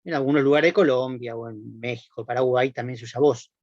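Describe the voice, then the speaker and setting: A man's voice: medium pitch, fairly even intonation, a little fast, a little mellow, no echo, dull audio. A man with a Rioplatense accent giving a recorded university class, explaining step by step and often checking in with his students. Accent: Rioplatense Spanish. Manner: explanatory, frequent checking tags "¿no?" and "¿sí?". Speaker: university lecturer.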